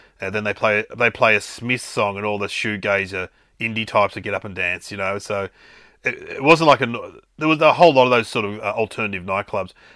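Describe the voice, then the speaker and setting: Recorded very cleanly against a silent background, the voice moves at a fairly quick pace with a bright, sharp tone, ordinary pitch variation and big swings in loudness. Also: man, fairly low pitch for a man. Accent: Australian. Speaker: stand-up comedian and former band bassist. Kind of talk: casual chat.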